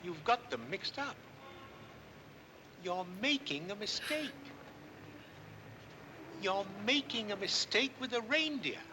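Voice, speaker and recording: Brief: a gentle old Santa Claus, polite and lilting, lively pitch, hissy 1940s film sound. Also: male voice, slow, pauses often, exaggerated voice. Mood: kindly.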